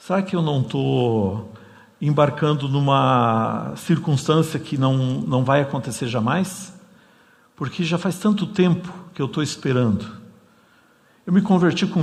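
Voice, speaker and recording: Somewhat breathy speech with lively intonation moves at a fairly slow pace, with audible room echo. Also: man, fairly high pitch for a man. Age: 60s. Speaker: preacher. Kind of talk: sermon. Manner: halting, many fillers.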